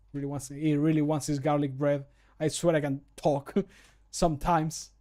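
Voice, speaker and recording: Man, thirties, slightly high voice. Casual streamer chat, jokey and self-mocking. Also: flat delivery, measured pace, dark tone. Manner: joking, self-mocking, sweary. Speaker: streamer recording mod voice lines. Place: small room at home, indoors.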